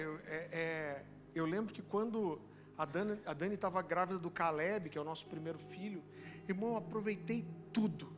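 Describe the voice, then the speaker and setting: A man in his thirties with a Brazilian accent from Curitiba, preaching a sermon and telling a personal testimony in an animated storytelling way. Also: sits high, long reverb tail. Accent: Brazilian Portuguese, Curitiba. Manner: animated storytelling, addresses listeners as brother. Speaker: pastor. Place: church auditorium.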